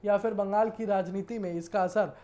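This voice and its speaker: A woman's voice: medium pitch, steady tone, normal speed, warm tone. A woman with an Indian accent presenting a news report as a narrated piece.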